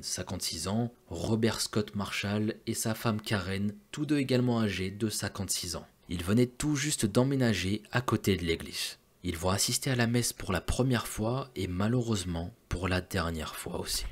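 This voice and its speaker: A man with a low, husky voice tells a true crime story to his viewers. He keeps it conversational and drops in light joking asides between the facts. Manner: chatty, addresses viewers directly with joking asides. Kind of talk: casual true crime narration.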